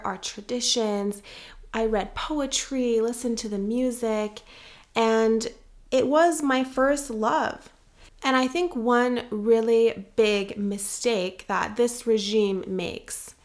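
A young woman hosting a podcast, speaking in an earnest, measured and reflective way. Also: on the high side. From United States. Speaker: podcast host. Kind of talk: scripted podcast commentary.

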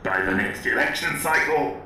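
A smug schemer narrating his own rise in a comedy audio drama. The voice is very sharp and forceful, drenched in echo, with faint noise around it. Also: medium pitch, expressive, moderate pace. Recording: very echoey, faint ambient noise.

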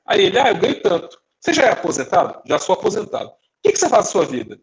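A high-voiced young man from Brazil rattles off stories in a casual podcast chat, his pitch swinging widely. He jumps in and out of quoted dialogue, giving each person in the story a voice of their own. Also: huge pitch swings, racing, rough recording. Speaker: podcast co-host.

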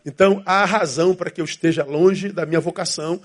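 A pastor delivers a sermon in a high voice. He preaches with emphatic repetition and acts out inner voices to make his point. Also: steady tone, quick pace.

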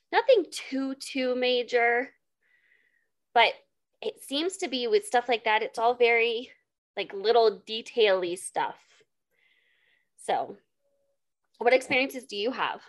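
A young adult woman hosting a podcast, bubbly and excitable in casual chat. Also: fairly high pitch. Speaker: podcast host.

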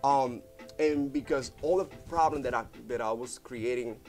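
A man in his thirties, a Spanish speaker, speaks as a studio guest in an easygoing, rambling way, circling back and restarting often. His voice sits at an ordinary middle pitch. Faint music plays behind him. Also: normal speed, darkish tone. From Puerto Rico. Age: 30s. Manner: rambling, heartfelt, many fillers and restarts. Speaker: guest, business owner. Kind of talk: casual interview talk.

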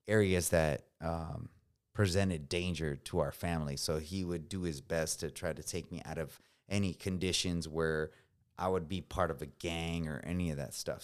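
A man's voice: low voice, clear, resonant tone. A man with a slight Latino accent and Spanish as his first language, telling stories casually and with slang in an interview. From United States. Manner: relaxed, slangy storytelling with frequent fillers. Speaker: guest, combat veteran.

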